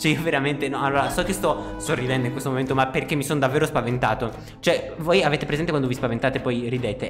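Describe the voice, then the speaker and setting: Very fast speech over clear background music. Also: man. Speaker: gaming streamer. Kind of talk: gameplay commentary. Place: home room.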